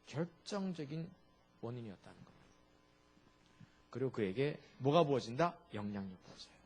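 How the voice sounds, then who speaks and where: A male pastor delivering a sermon, asking his congregation frequent rhetorical questions in an animated preaching manner. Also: mid-range voice, breathy edge.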